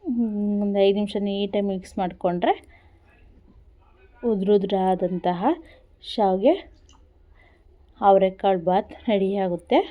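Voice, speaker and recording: A woman's voice: medium pitch, steady tone, a little slow, pauses often, narrow, tinny audio. A woman with a Kannada accent, talking viewers through a recipe at an easy pace in a casual cooking vlog, repeating simple instructions. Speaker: cooking vlogger.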